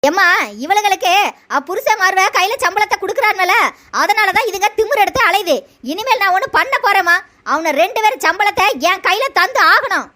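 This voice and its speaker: A woman's voice: extremely high pitch, fairly quick, sharp tone. A woman voicing a domineering, scolding middle-aged mother-in-law in a cartoon. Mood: bossy. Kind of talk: cartoon voice acting.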